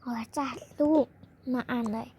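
A child voicing a gentle, doting mother of two girls, coaxing and scolding softly in a pretend play. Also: normal speed, lo-fi sound, slight background noise, natural voice.

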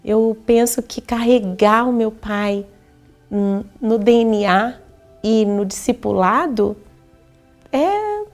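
A woman's voice: fairly high pitch, animated, slow pace, a little mellow, soft background music. A woman in a documentary interview, speaking reflectively about her father with easy laughter. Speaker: interviewee, daughter of a pastor.

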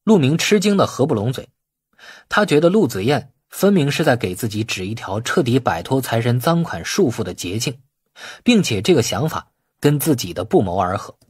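A male audiobook narrator with a lively, widely moving pitch and a husky edge to his voice. He reads scripted fiction with a storyteller's drama, recorded close and dry. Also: normal speed, no echo.

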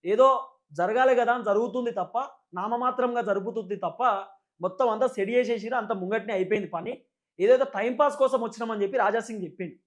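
A man's voice: sits high, fast talker. A man with a Telangana Telugu accent giving unscripted political commentary in an emphatic, repetitive, explanatory manner.

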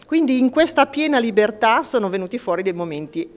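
A woman's voice: on the high side, expressive, brisk, big-room sound. A woman with an Italian accent answering in an interview, hesitant and full of fillers.

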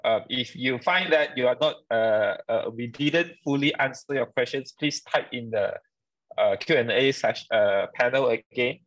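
A man's voice: medium pitch, unhurried, fairly bright tone, dry recording, rough recording. Man moderating webinar questions. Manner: polite, hesitant, many fillers. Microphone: video call.

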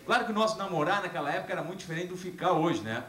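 An animated man tells stories to a young crowd, acting out the dialogue. His voice sits a little high and carries the boom of a large echoey hall. A faint hum of the room sits underneath. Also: rapid-fire. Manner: animated storyteller, acts out dialogue, gestures. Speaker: public speaker on alcohol and drugs. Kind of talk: lively public talk to a young audience. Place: large hall with a seated audience. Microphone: handheld microphone. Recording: echoey hall, camcorder recording.

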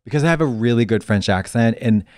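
A man's voice: mid-range voice, fast talker, dry recording. Guy co-hosting a podcast, bouncy up-and-down voice, does little impressions, dry small studio. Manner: animated, mimics accents and voices. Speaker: podcast co-host. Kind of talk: casual chat. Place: small decorated studio indoors. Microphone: handheld mic.

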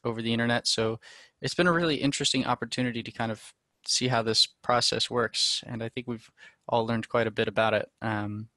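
A young man in his twenties with a New Zealand accent, introducing himself to a webcam in a small home music room, relaxed and hesitant with many ums. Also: mid-range voice, brisk, no echo. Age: 20s. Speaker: student musician. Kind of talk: casual self-introduction to camera.

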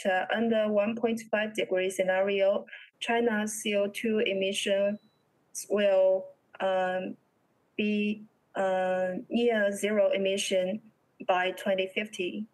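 A young woman with a Chinese accent presents research at a slow pace. Her pitch stays level with little variation. Her delivery is halting and hesitant, in the style of an academic talk on a video call. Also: rough recording.

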